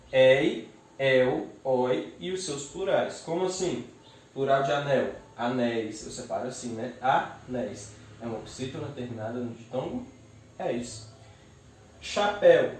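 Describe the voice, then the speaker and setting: A man teaching a grammar lesson, explaining step by step and slowly splitting words into syllables. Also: medium pitch, recorded from a distance. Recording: echoey room, voice away from the mic.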